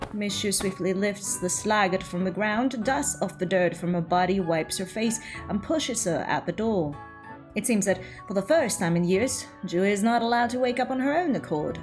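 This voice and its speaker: Over music in the background, a woman of medium pitch talks at a moderate pace with lively intonation. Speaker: vtuber. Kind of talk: reading game story narration aloud.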